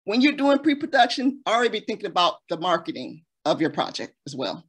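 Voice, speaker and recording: A woman's voice: medium pitch, sing-song, brisk, husky. A woman who makes audio dramas, giving earnest, practical advice in a casual panel talk.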